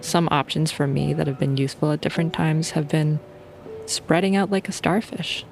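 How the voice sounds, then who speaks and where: A woman's voice: sits low, normal speed, vocal fry, faint music behind. A woman leading a guided sleep meditation in an informal, playful and soothing way.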